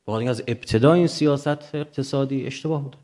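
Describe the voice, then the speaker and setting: A man's voice: medium pitch, mellow. A man with an Iranian Persian accent lecturing informally and emphatically, explaining through examples and rhetorical questions.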